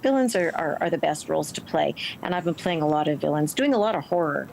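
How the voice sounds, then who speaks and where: A middle-aged woman, an actor, answering interview questions in an expressive, emphatic conversational way. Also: low voice, fast, creaky, slight background noise, low-quality recording. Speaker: stage and film actor, interview guest.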